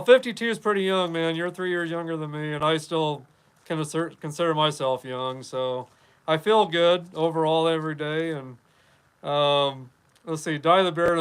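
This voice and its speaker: A Wyoming man in his fifties hosts a casual live podcast, rambling and chatting while he reads viewer comments. His voice sits a little high with a clean tone.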